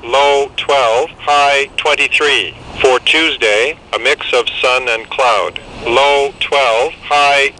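Held up close to a handheld radio's small speaker, a camera picks up an automated forecast read by a synthetic male voice that sounds stitched together in segments. It's steady and medium-pitched, slow with hardly any pauses, pushed and bright, and the low-quality recording carries a little hiss or hum.

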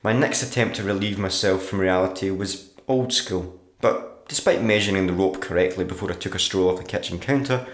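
A man playing a sullen, sardonic writer narrating his diary in a black comedy radio play, dry and deadpan. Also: deep voice, a little fast, hardly any pauses, natural voice. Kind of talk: dramatic monologue, diary narration in a black comedy audio drama. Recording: roomy echo with background noise.

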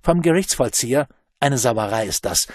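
A man voicing a furious woman who scolds her lover in sharp, accusing tones. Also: mid-range voice, expressive, moderate pace, no echo, clean studio sound, pitched above the performer's own voice, natural voice.

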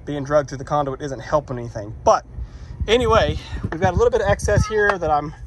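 Man, slightly raised pitch, walks through a muddy outdoor job on a phone camera, faint outdoor hiss behind him. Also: lively intonation, fast, poor audio. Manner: chatty, self-deprecating, explains as he works. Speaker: vlogger doing electrical work. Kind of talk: casual how-to walkthrough. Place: outdoors by a metal shop, rainy muddy yard.

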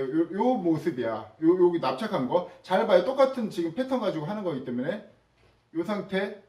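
A man's voice: high voice, darkish tone, reverberant, recorded from a distance, poor audio. A man teaching a casual sewing tutorial, chatty and demonstrative, talking straight to his viewers as he works. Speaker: sewing instructor.

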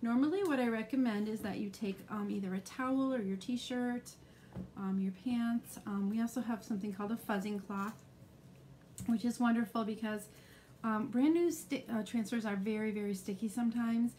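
A woman's voice: on the high side, moderate pace, dark tone, a little hiss or hum. A middle-aged woman demonstrating a craft live, explaining each step in a chatty way with frequent ums.

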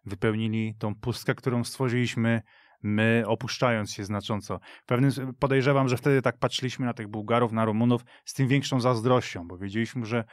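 A man's voice: medium pitch, fairly even intonation, fairly quick, dry recording, clean studio sound. A man giving discursive, thoughtful, unscripted commentary as a panelist in a sports discussion. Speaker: podcast panelist.

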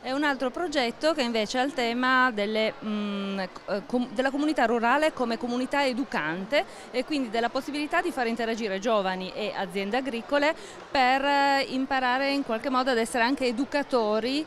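A middle-aged woman interviewed at a fair stand, explaining a project in a measured way with frequent pauses and fillers, speaking into a handheld mic. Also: fairly high pitch, fairly bright tone, slight background noise. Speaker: interviewee, agricultural association staff. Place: indoor exhibition stand at a book fair.

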